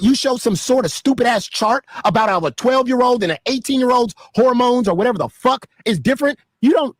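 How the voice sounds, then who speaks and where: Angry, husky-voiced man lecturing. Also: very high voice, no echo, clean studio sound. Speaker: live stream panelist. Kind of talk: heated live stream debate.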